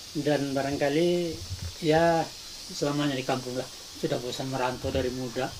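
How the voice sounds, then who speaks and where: Over noticeable background noise and audible room echo, a man with a fairly high pitch speaks at a moderate pace, using fairly even intonation and long, frequent pauses. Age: 70s. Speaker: customary elder and playwright. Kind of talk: interview.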